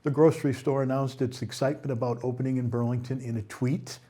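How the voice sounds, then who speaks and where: A fast-talking man with a mid-range voice anchors a roundup of local news. He reads steadily but sometimes trips over words and corrects himself.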